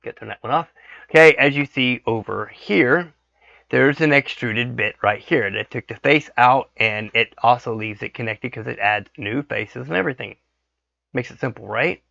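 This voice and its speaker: A man with a hoarse voice from a lingering cold walks through a tutorial at his computer. His voice is gravelly and bright. The recording is dry and dull, like a cheap desk mic. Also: medium pitch, normal speed, no room sound. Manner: thinks aloud, frequent "okay" checks. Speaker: 3D modeling tutorial host. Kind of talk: casual screen-recorded tutorial.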